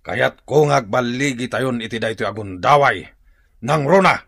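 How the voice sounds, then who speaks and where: A man acting a menacing, gloating tribal warlord in a radio drama, with a gravelly, rasping delivery. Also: mid-range voice, normal speed, a bit bright, dry recording, clean studio sound. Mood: commanding, gloating. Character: menacing male chief of a rival tribe, gloating warmonger.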